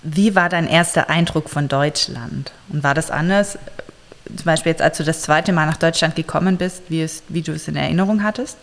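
A woman interviewing a young man, asking gentle, careful questions with frequent fillers. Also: low voice, a little fast, creaky, big-room sound.

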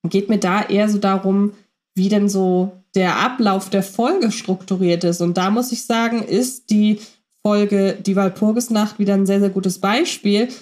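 A woman's voice: mid-range voice, fairly even intonation, a little slow, a little mellow. A woman co-hosting a casual fan podcast, reflecting in long winding sentences full of fillers. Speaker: podcast co-host.

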